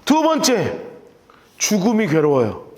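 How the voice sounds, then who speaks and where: A man's voice: high-pitched, huge pitch swings, takes it slowly, a little mellow. A man preaching a sermon as pastor, telling the story dramatically and speaking directly to the children in the room.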